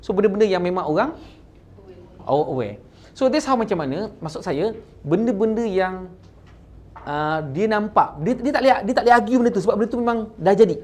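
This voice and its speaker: A man's voice: sits high, brisk. A man with a Malaysian accent coaching insurance agents, mixing English terms into his talk and often checking in with "kan?". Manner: mixes English into Malay, asks "kan?" often, lively stresses. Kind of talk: sales training talk.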